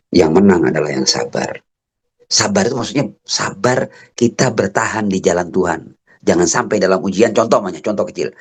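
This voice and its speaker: A man giving a public religious lecture. He quotes Arabic verses slowly, then explains them, swinging between high emphatic peaks and low, slow explanations. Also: slightly rough. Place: lecture hall.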